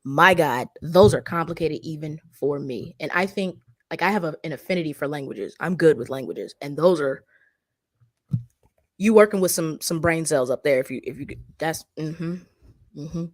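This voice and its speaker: Woman, African American Vernacular English accent, livestream host, chatty, lower pitch, dry sound. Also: normal speed, no echo. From California Bay Area. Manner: chatty, uses many "like" fillers, animated asides. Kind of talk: casual livestream chat, reading viewer comments.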